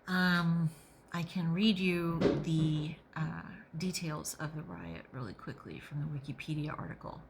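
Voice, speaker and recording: A woman hosting a podcast, reading aloud and adding opinionated, emphatic commentary, sometimes pausing to think out loud. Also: sits low, background noise. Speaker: podcast host and reader.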